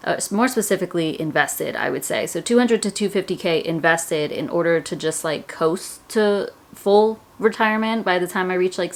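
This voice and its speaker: A woman, chatting casually to her viewers about her personal finance goals, rambling with lots of "like"s. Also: fairly low pitch. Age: 30s. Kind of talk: casual chat to camera.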